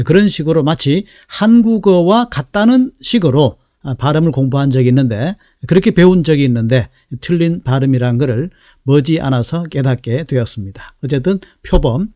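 A middle-aged man teaching English pronunciation in a lesson video, speaking slowly and carefully and repeating each example word. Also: fairly high pitch, mellow, no room sound, clean studio sound.

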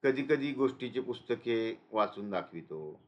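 A male teacher explaining a school lesson, often pausing to check in with listeners. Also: medium pitch, expressive, lo-fi sound. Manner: explains and repeats with frequent "है ना" checks.

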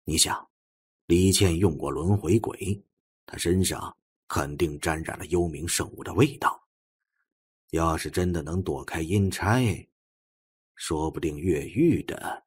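Man acting a brisk, bossy detective chief, low and husky. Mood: musing. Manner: quick, offhand, commanding. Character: brisk, bossy, sharp-witted male supernatural detective chief.

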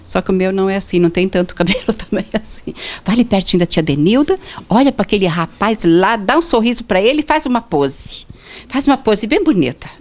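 A woman's voice: mid-range voice, expressive, a little fast, a little mellow. This is a woman host with a voice in the middle of the usual range, running a children's fashion show indoors. She talks cheerfully and sweetly to coax the kids into posing. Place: indoor atelier.

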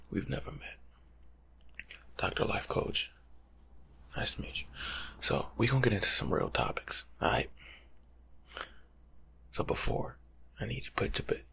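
Hushed, breathy young American man, creaky whisper. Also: lowish voice. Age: young adult. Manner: casual, slangy, teasing. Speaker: ASMR creator playing a life coach. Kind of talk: ASMR roleplay monologue, softly spoken and whispered. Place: small room at home, indoors.

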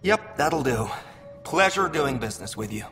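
A man's voice: mid-range voice, lively intonation, moderate pace, sharp tone, faint music behind. A man voicing a shifty alien scavenger trader in a video game, wheedling and slick with hesitant turns. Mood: nervous. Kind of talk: video game dialogue acting. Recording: hollow reverberant hall with background noise.

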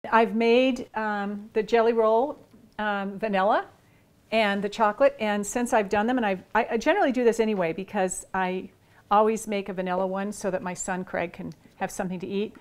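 A woman's voice: medium pitch, normal speed. Chatty older woman demonstrating a recipe. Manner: relaxed and chatty, talking while working with her hands. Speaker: cooking show host. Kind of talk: cooking demonstration. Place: large home kitchen, indoors.

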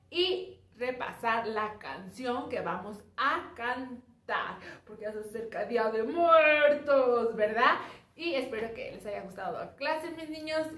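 Kindergarten teacher, slow sing-song letter drills, far off in a very echoey room. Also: female voice, fairly high pitch, fairly bright tone. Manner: slow, drawn-out letter drills addressed to small children. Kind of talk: online preschool lesson.

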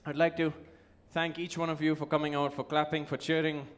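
Between songs on a live music festival stage, a male singer-songwriter banters with the audience over guitar playing. His voice is fairly high, brisk, and flat in pitch, worn from singing, as he effusively thanks the crowd and coaxes them to sing along.

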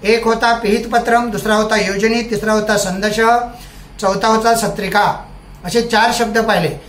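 A man's voice: high-pitched, steady tone, normal speed, fairly bright tone. A male teacher giving a recorded lesson. He drills words over and over and keeps asking quiz-style questions. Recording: echoey room.

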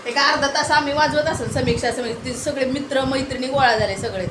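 A woman vlogger chatting at home, telling an animated story and scolding in a casual family vlog. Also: high voice, quick pace. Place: home indoors. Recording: echoey home room with noise.

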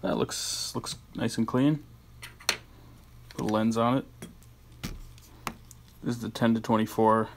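A man's voice: mid-range voice, little pitch movement, a little slow, long pauses, noisy background. A man talking casually and offhandedly in a home vlog, recorded on a handheld cell phone, with a little grumbling now and then. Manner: chatty and offhand, with mild grumbling. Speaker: camera vlogger.

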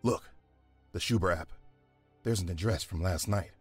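A man playing a low husky detective. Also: moderate pace, faint music behind. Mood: curious. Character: observant male detective partner. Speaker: police detective partner.

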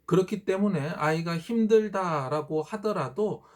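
High-voiced man explaining parenting tips. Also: a little slow. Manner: acts out parent and child lines in quotes, polite explanatory tone. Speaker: elementary teacher giving parenting advice. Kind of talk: scripted advice talk to parents.

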